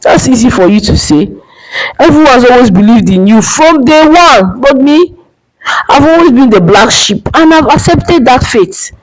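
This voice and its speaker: A woman plays a resentful man in a storytelling folktale, the family black sheep. He is defensive and dismissive, with pitch that swings widely. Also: expressive, normal speed, poor audio. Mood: bitter, defensive.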